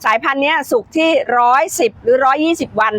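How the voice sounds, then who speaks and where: A woman who owns a grape farm, briskly and confidently explaining how she grows grapes in her greenhouse. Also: high voice, fairly bright tone. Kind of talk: explaining in an interview.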